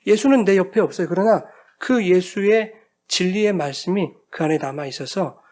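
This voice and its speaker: Brief: male preacher with a high voice, emphatic, asks the congregation questions. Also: normal speed, darkish tone. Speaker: pastor. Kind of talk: sermon.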